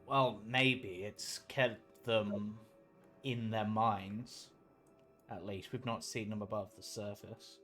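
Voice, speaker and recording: Guy playing tabletop rpg, kinda low voice, casual, figuring out what to do. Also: fairly even intonation, slow, sharp tone, faint music behind. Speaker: tabletop game player. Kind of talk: casual game chat.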